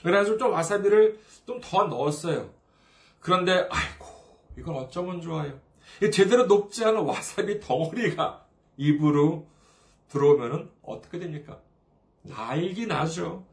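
A man's voice: high-pitched, animated, normal speed, roomy sound. A man preaching a sermon as a pastor, in a conversational, humorous way, often asking the listeners questions.

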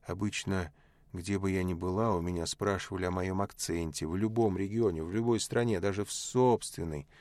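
A man reading a young woman traveler's quiet, reflective inner monologue in an audiobook. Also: low-pitched, fairly even intonation, fairly quick, no room sound, natural voice.

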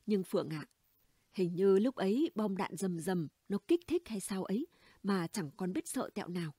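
A woman's voice: mid-range voice, animated, moderate pace, warm tone, husky, no echo, clean studio sound. A woman reading the dialogue of a gossipy, blunt middle-aged neighbor woman in an audiobook, chatty and conspiratorial. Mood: gossiping.

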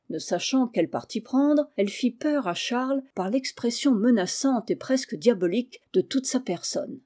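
A woman's voice: mid-range voice, dark tone. A woman narrating a classic children's novel as an audiobook, reading steadily and doing all the character voices. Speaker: audiobook reader.

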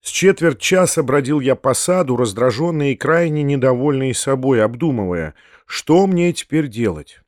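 A man reading a classic novel aloud in a measured, unhurried storytelling manner. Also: mid-range voice, animated, no echo, studio quality. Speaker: audiobook reader. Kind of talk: literary audiobook narration.

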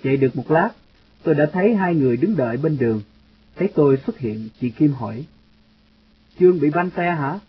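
A man narrating a first-person story in a lively storytelling manner. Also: medium pitch, fast, breathy edge. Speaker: audiobook narrator. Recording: dull lo-fi audio, faint music.

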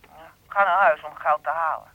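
A woman's voice: low voice, steady tone, brisk, no echo, close to an everyday voice. An older woman acting in a radio drama, playing an anxious, irritable mother who is impatient and complains. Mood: prickly, weary. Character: anxious, irritable elderly mother with aching legs. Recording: dull lo-fi old radio play recording.

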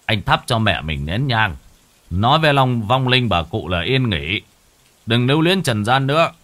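A man's voice: medium pitch, big pitch swings, normal speed, a bit bright. An old village elder barks orders and then grimly warns of a restless spirit, as a male storyteller puts him on. The voice swings widely up and down, commanding and ominous in a folk horror tale. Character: old village elder man, bossy and superstitious.

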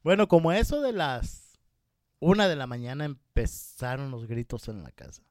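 A man's voice: mid-range voice, moderate pace, dry recording, clean studio sound. A man from Mexico with a Mexican accent, casually telling a personal story and acting out the voices in it. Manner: lively anecdotal, acts out quoted voices.

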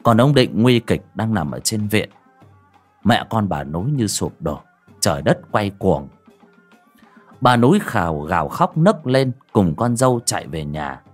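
A man narrating a village ghost story in a lively storytelling manner. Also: fairly low pitch, unhurried, soft background music.

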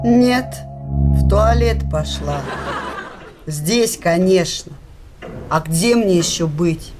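A slow-talking, surly hypnotised wife. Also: female voice, on the low side, music in the background. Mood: sarcastic, irritated. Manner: blunt, sarcastic, slow, coarse. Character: sharp-tongued, grumpy working-class wife under hypnosis. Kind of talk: comic radio play acting.

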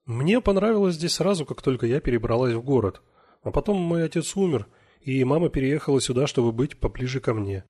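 Man reading as a husky-voiced cheerful young woman. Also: medium pitch, expressive, brisk, darkish tone, lightly acted. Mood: fond.

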